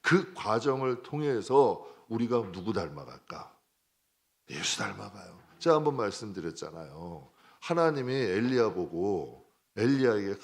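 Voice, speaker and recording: Animated male pastor preaching. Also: lowish voice. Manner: lively, conversational preaching with sudden loud and soft turns; acts out prayers and dialogue in a raised voice. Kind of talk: sermon.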